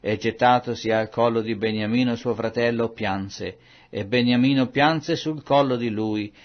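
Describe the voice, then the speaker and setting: A man's voice: medium pitch, steady tone, measured pace. Man solemnly reading scripture, dull recording. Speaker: Bible reader.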